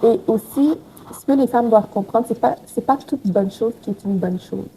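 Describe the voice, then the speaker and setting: A woman's voice: a little high, normal speed, dark tone, slight background noise, rough recording. A young woman who grew up in Haiti and speaks, a guest talking frankly and reflectively with many fillers. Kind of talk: casual interview talk.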